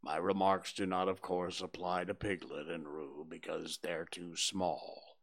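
A man voicing a gloomy, self-pitying old male donkey in a storybook reading, with a slow, mournful, breathy drawl. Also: sits low, level tone, no echo, clean studio sound, voice pushed down. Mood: solemn.

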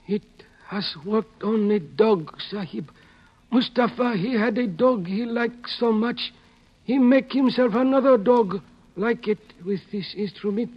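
A male actor playing a timid, deferential Arab servant in halting broken English, in 1950s radio drama style. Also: high-pitched. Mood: uneasy, deferential. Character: timid Arab servant man telling of strange horrors. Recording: dull lo-fi 1950s radio recording.

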